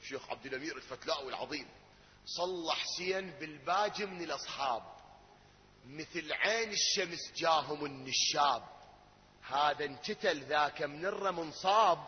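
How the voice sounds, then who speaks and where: High-voiced Iraqi man chanting a lament. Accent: Iraqi Arabic. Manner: wailing, drawn-out sung lines between quick spoken narration. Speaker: mourning elegy reciter. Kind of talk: chanted religious lament, spoken and sung. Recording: echoey hall, dull lo-fi sound.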